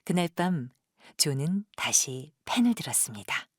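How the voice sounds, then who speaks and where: Lady narrating an audio drama, really low n breathy, hushed solemn storybook delivery. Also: big pitch swings, a little slow, no echo, studio quality.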